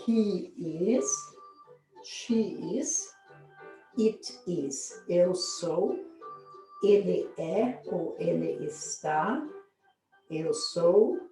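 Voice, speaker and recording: A Brazilian woman teaching English in Portuguese, reading English model sentences slowly and asking "né?" to check understanding. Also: on the low side, mellow. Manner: slow, drawn-out model sentences with frequent "né?" checks. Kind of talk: online English lesson. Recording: echoey room with faint music.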